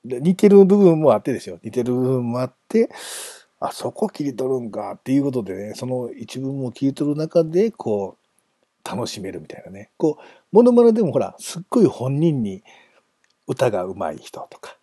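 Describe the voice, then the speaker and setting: A man's voice: mid-range voice, very animated, normal speed, mellow, breathy edge, no room sound. A man hosting a casual solo talk, chatty and self-amused, wandering off into asides. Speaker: podcast host.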